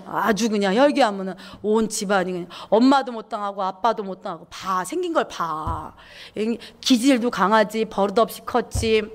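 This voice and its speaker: A woman pastor preaching a lively sermon, acting out inner voices and repeating words for emphasis. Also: mid-range voice.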